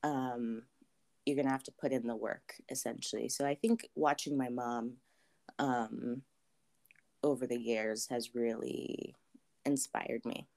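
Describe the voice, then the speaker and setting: A young adult woman from Zambia, answering interview questions thoughtfully with many pauses and ums. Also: rumbling low, fairly even intonation, vocal fry, a little mellow. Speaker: interview guest.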